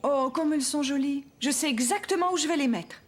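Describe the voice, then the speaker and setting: A woman voicing a gentle, patient mother in a French cartoon, speaking to a small child in an encouraging way. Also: sits high, fairly quick, natural voice. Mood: tender. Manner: gentle, encouraging, sing-song. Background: prominent music.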